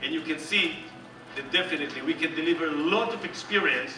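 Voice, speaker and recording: A middle-aged man with an Israeli accent giving an animated, joking keynote presentation on stage. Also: on the high side, fast, far from the mic, music in the background. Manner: animated, joking, emphatic and repetitive. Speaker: company executive presenting on stage. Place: large dark conference hall with audience. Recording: echoey hall recorded from the audience.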